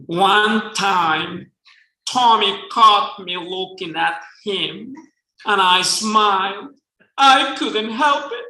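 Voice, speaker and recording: A man's voice: high voice, extremely slow, pushed and bright, heavily acted. A man with a Mexican accent reading aloud as a flamboyant, unashamed gay Southern man, putting on a Southern accent. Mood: teasing. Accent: attempted Southern US. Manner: theatrical, campy read-aloud delivery. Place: bookstore event space. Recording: echoey room.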